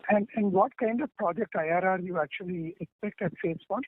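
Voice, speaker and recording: A man's voice: sits high, brisk. A man with an Indian accent asking analyst questions on an earnings call, hesitant and often rephrasing. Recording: thin telephone line.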